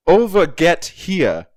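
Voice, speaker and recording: A pompous party official with a put-on German-tinged accent, done by a man, who giggles and stumbles through his own game. The voice swings wildly in pitch. It sits close and dry, with no room sound. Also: creaky, no room sound, exaggerated voice. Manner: exaggerated, giggly, fumbling showman.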